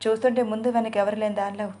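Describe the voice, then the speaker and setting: A woman's voice: mid-range voice, little pitch movement, racing, warm tone, close to an everyday voice. A woman voicing a sly, greedy male adviser who sneers and plots in an audio story. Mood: sneering. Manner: sneering, suspicious.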